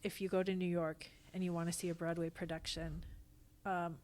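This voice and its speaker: A woman's voice: lowish voice, level tone, fairly quick, darkish tone. A middle-aged American woman talking casually as a theatre guest on a podcast. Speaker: podcast guest, theatre actor and company founder.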